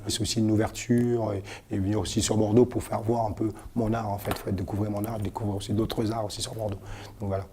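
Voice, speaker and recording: A man talks fast in a low, warm, dark voice, full of fillers and self-corrections. He is a guest artist on a small web TV studio set, speaking casually in an interview. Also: level tone, slight background noise. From Cameroon. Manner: hesitant, many fillers and restarts.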